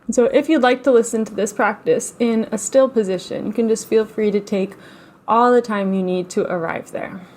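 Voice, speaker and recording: Woman gently guiding a slow meditation. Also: fairly high pitch. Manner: gentle, unhurried, soothing with long pauses. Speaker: guided relaxation and meditation teacher. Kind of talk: guided meditation, slow instruction.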